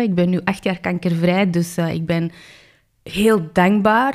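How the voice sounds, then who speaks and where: A woman with an unremarkable speaking voice talks at a fairly slow pace and fairly low pitch. Pitch variation is ordinary, and the recording is very clean with a silent background. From Flanders, Kempen region (Belgium). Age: 30s. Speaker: social entrepreneur, cancer survivor. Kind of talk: interview.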